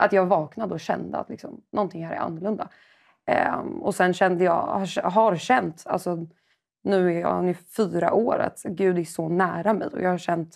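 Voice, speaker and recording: With vocal fry, a woman speaks at a medium pitch and moderate pace, with ordinary pitch variation. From Sweden, Örebro. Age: 20s. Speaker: youth leader. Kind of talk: testimony. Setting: TV studio.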